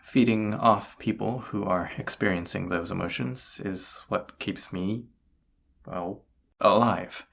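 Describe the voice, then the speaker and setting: Man acting as flustered incubus, slow halting pace, husky, soft-spoken, tired, intimate audio drama. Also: on the low side, full character voice. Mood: awkward, explaining. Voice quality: husky, gravelly. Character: tired, flustered male incubus roommate confessing feelings. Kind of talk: roleplay audio drama, intimate one-sided dialogue.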